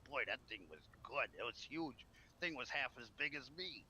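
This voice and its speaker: A man's voice: medium pitch, lively intonation, moderate pace, bright, forceful tone, breathy edge, low-quality recording. A man rambling in a folksy, casual way while playing along in a survival roleplay game. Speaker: player in a zombie survival roleplay stream. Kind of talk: casual in-character roleplay chat. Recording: faint background noise.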